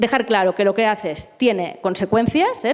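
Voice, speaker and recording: A woman with a Catalan accent talks at a fairly high pitch and a moderate pace over noticeable background noise. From Catalonia, Tarragona. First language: Catalan (speaking Spanish). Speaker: sociolinguist. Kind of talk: lecture. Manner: hesitant with fillers.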